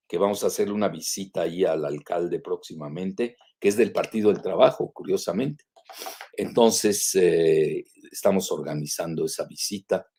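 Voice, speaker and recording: A man's voice: deep voice, a little mellow. An older man with a Mexican Spanish accent gives live commentary on the news, talking in a rambling, digressive way with many "eh" fillers and self-corrections. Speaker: geopolitical analyst hosting a weekly live show.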